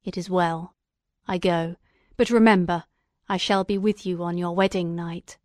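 A woman's voice: fairly low pitch, steady tone, a little slow, a little mellow, no echo, studio quality, pitched below the performer's own voice, lightly acted. A woman voicing a bitter, vengeful male creature in an audiobook reading, speaking in a brooding, threatening way. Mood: ominous.

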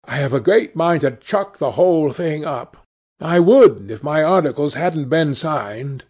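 A man's voice: a little high, lively intonation, measured pace, a little mellow, breathy edge. A man voicing a sullen sixteen-year-old boy, blunt and intense as he warns his sister. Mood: earnest.

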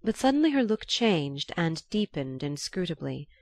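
A woman narrating a novel aloud in a calm, even storytelling manner. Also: low-pitched, normal speed, dry recording, clean studio sound. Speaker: audiobook reader.

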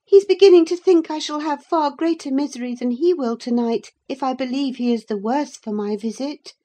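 A woman's voice: sits high, moderate pace, warm tone, voice pushed up, close to an everyday voice. A woman voicing a headstrong, coaxing teenage girl in an audiobook reading, speaking eagerly and emphatically. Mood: pleading.

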